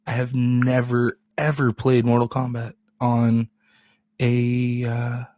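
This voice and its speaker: A man's voice: medium pitch, monotone, takes it slowly, a little mellow, dry recording. A man guest on a casual podcast who asks questions and carefully rephrases his points. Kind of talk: casual chat.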